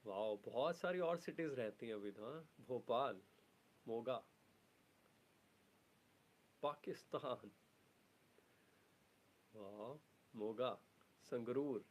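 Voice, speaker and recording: A man's voice: medium pitch, slow pace, long pauses. A middle-aged man hosting a live stream from an office, mixing English words into his speech as he reads out viewers' cities. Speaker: live-stream host and trainer. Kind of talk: live-stream chat reading viewer messages.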